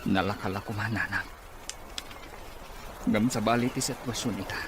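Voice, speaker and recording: Aggrieved married son, played by a man, lowish drama voice, noisy recording. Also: normal speed, natural voice. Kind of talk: Ilocano audio drama acting.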